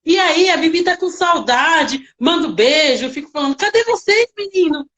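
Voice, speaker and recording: A woman working as a nanny, telling stories in a casual interview with lively, emotional reenactments. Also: high voice, normal speed.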